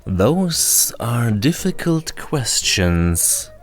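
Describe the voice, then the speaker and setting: A man voicing the devil's shrewd old grandmother in a storybook reading, speaking in a hushed, coaxing way. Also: medium pitch, big pitch swings, very slow, faint music behind, pitched above the performer's own voice.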